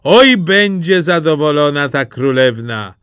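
A man voicing a cheerful, simple-minded young peasant lad who shouts happily as if from a distance, in a storybook reading. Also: fairly high pitch, animated, measured pace, smooth, dry recording, studio quality, voice pushed up. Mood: gleeful shouting. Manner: shouting gleefully from afar.

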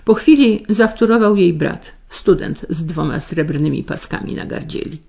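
Gravelly-voiced woman reading on the radio. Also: lowish voice. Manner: measured, expressive reading. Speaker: radio story reader and host. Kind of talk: scripted radio narration. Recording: slightly muffled radio broadcast.

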